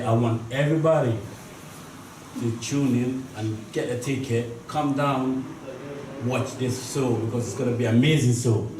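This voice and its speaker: A man, a boxer, speaking earnestly at a press conference in halting, non-native phrasing. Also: mid-range voice. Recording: echoey room, distant mic, noisy.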